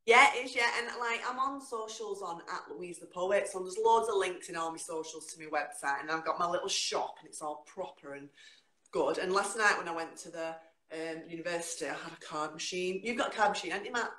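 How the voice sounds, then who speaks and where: A middle-aged woman with a Northern English accent, a guest poet who performs her spoken word and chats over a video call from home, with a lively, dramatic delivery. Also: a little fast. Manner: lively, dramatic delivery with sudden jumps in pitch. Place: home room, indoors. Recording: echoey room on a video call.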